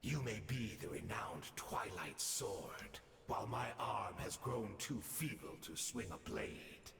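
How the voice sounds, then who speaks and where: An actor playing an arrogant, calm, immortal old swordmaster in a fantasy game, talking in a measured, condescending, gravelly way. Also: male voice, on the low side, echoey room, long reverb tail, exaggerated voice. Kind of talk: fantasy video game voice acting.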